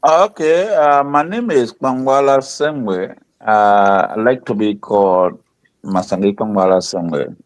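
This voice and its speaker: Slow, deep-voiced man. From Liberia. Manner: measured, repeats himself while searching for words. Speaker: panelist, psychotherapist and educator. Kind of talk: self-introduction on a panel.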